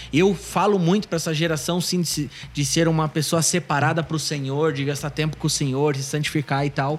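A man with a fairly high voice talks at a fairly quick pace, barely pausing. His intonation stays fairly even, and his voice is somewhat breathy. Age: 30s. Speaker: pastor and podcast host. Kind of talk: casual chat. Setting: studio.

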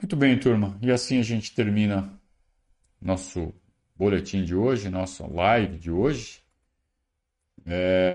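A man's fairly low voice at a fairly slow pace, with long, frequent pauses and ordinary pitch variation. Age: 50s. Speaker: football commentator, live stream host. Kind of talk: casual live stream commentary on football news. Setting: live stream. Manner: repeats words, self-corrects.

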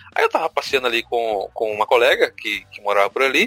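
The recording is dry and close, with no echo. A man talks at a fairly quick clip. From Brazil, Minas Gerais (Belo Horizonte area). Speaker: pet owner telling animal stories. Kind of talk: casual chat. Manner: animated storytelling.

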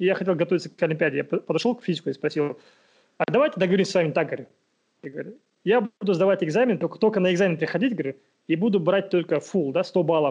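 A man's high-pitched, very fast speech with ordinary pitch variation and long, frequent pauses. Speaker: teacher. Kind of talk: casual chat.

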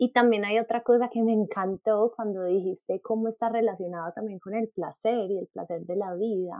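A woman with a fairly high pitch and a dark, mellow tone speaks at a moderate pace with fairly even intonation, in a dry, close sound with no echo. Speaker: podcast co-host and singer. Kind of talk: casual interview chat.

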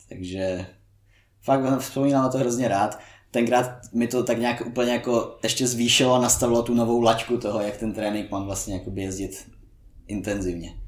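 Audible room echo surrounds a man speaking at a medium pitch. He keeps a moderate pace and fairly even intonation. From Central Bohemia, Czech Republic. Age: 20s. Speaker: bodybuilder. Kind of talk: interview.

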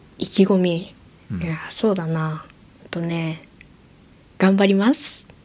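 A woman with a fairly low pitch and a dark, mellow tone speaks at a fairly slow pace with ordinary pitch variation and long, frequent pauses. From Fukushima, Japan. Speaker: podcast co-host. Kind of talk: casual chat.

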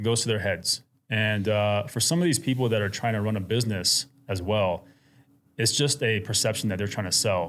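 This man has a normal speaking voice, fairly low in pitch, moving at a fairly quick pace with very even loudness. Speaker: former special forces soldier, firearms instructor. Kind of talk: casual chat.

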